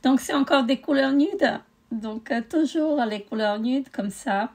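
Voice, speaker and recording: A woman's voice: sits high, a little slow, a little mellow. A middle-aged woman, tired, chatting casually with many hesitations in a beauty haul video. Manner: hesitant, many euh fillers. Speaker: beauty vlogger.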